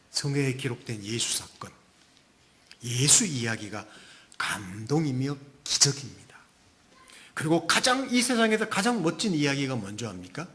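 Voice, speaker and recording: A male pastor preaching a Sunday sermon, emphatic, full of rhetorical questions and sudden hushed asides. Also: mid-range voice.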